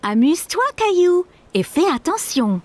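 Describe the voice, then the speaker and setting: A woman's voice: extremely high pitch, very animated, moderate pace, a little mellow. A woman voicing a kind, caring young mother in a children's cartoon, tender and cheerful as she explains.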